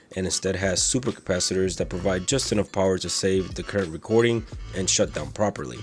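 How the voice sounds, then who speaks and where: A man's very deep, low voice at a fairly quick pace, with ordinary pitch variation and music in the background. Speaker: product reviewer. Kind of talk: product review narration.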